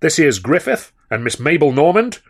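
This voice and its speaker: A man's voice: on the high side, big pitch swings, pitched above the performer's own voice. A man voicing a brash, boastful big male film producer who talks in a slangy, blustering way. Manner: blustering, fast-talking, slangy.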